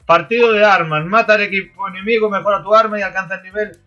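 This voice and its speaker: A man with a bright, sharp, slightly raised voice and a Spanish accent jokes and swears excitedly while gaming. His voice comes through a dull, lo-fi chat line with faint game music. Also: high voice, quick pace. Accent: Spanish from Spain. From Spain. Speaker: gaming friend.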